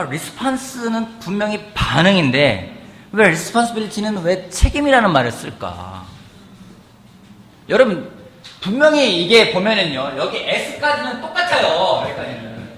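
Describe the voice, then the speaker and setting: A man preaching a sermon in a church, asking the congregation questions and acting out quotes in a lively way. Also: high voice. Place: church sanctuary. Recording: echoey church hall with faint ambience.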